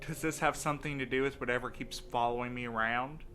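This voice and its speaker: An actor playing a stubborn, devoted courier in an audio drama, insistent and questioning. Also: male voice, mid-range voice, fairly even intonation, quick pace, pushed and bright, slight background noise, natural voice. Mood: confused, hurt. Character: stubborn, devoted young courier desperate to keep his loved one.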